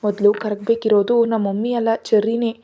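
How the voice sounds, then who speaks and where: A cheeky young man joking affectionately on the phone in a storybook tale, as a woman reads his part. The voice stays mellow and a little high. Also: level tone, a little fast, highs cut off, a little hiss or hum, close to an everyday voice. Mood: teasing. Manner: teasing, affectionate.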